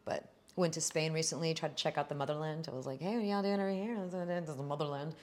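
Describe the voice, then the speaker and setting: A woman podcast host who talks quickly in a lowish voice. She is animated and chatty and hops from one topic to the next. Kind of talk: casual chat.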